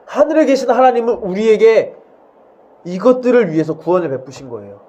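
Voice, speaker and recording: Noticeable background noise sits behind a man talking at a fairly quick pace. His high pitch swings very widely. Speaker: pastor. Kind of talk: sermon.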